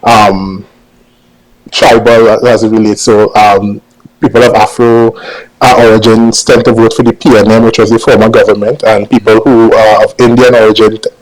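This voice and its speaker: A man's voice: lowish voice, level tone, moderate pace, darkish tone, rough recording. A man with a Trinidadian accent answering interview questions casually, choosing his words with some hesitation. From Trinidad and Tobago. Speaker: interview guest, journalist.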